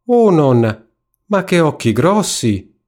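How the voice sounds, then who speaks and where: A man voicing an innocent little girl in a red hood in a spoken storybook, high and wide-eyed. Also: very animated, measured pace, darkish tone. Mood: frightened.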